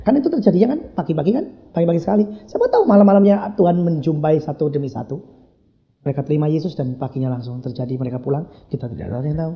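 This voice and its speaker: A man preaching a sermon to a congregation, swinging from loud emphasis to hushed whispers and acting out his talks with God. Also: fairly high pitch, animated, racing, gravelly, dull audio. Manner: addresses congregation as "saudara", acts out dialogues with God. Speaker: pastor. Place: church hall.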